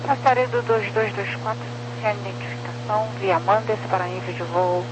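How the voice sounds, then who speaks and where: A woman's voice: medium pitch, fairly even intonation, normal speed. A woman working as an air traffic controller, giving procedural instructions over aviation radio. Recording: very noisy humming radio transmission.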